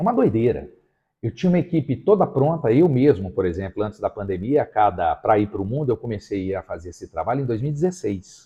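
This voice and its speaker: Somewhat breathy, a man speaks at a fairly quick pace. His pitch is medium, with very wide swings. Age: 50s. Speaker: business owner. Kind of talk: casual chat.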